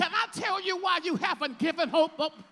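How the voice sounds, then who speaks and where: A raised, projected voice moves at a moderate pace with an animated tone and ordinary pitch variation. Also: man. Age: 50s. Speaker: pastor. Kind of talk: sermon. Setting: church. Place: church. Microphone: handheld.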